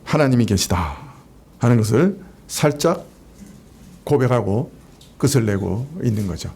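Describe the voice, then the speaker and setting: A man's voice: medium pitch, lively intonation, a little slow, vocal fry, mellow, slightly rough. A man preaching a sermon as pastor, talking to the congregation in a conversational way and asking them rhetorical questions. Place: church sanctuary.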